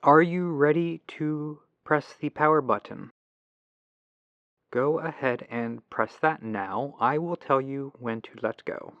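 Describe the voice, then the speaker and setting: A helpful male tech support agent , acted by a man, talks softly and politely in an ASMR phone roleplay. He is very unhurried, musing aloud with pauses, and his mid-pitched voice has a creaky edge. The sound is a dull, lo-fi telephone line. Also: no echo. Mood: calm, guiding. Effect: lo-fi telephone filter.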